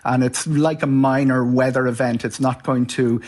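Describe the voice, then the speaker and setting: A man's voice: mid-range voice, steady tone, normal speed, darkish tone. A man with an Irish accent giving an explanatory live radio news interview as a travel commentator, informal and somewhat stop-start.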